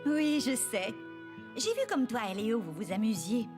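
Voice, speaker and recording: A woman's voice: a little high, lively intonation, moderate pace, over music, lightly acted. A woman voicing a kind, patient daycare teacher in a children's cartoon, encouraging and reassuring small children.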